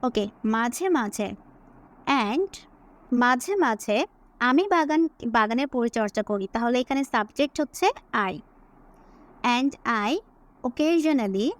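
Bengali lady english teacher, slow dictation, kinda high voice, repeats each word. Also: animated. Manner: asks and answers her own questions.

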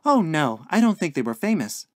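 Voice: mid-range voice, big pitch swings, normal speed, dry recording, studio quality, voice pushed up, natural voice. A narrator voicing a dainty, scatterbrained older landlady in a story, with sweet endearments and a coaxing, genteel manner. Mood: gushing, airy. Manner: sing-song, sighing, motherly endearments.

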